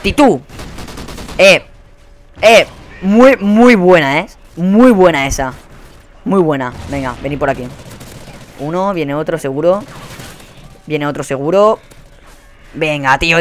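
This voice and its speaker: A young man with a Spanish accent commentating his own shooter gameplay, swearing a lot and quick to burst into angry shouts. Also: on the high side. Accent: Spanish from Spain. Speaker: gaming commentator. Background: faint gunfire from the game.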